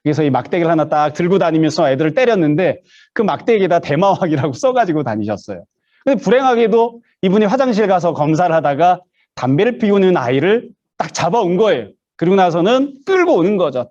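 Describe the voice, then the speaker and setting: Male pastor preaching, voice climbs high and swings a lot, kinda muffled lo-fi sound. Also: darkish tone. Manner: storytelling, acting out quoted voices. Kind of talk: sermon.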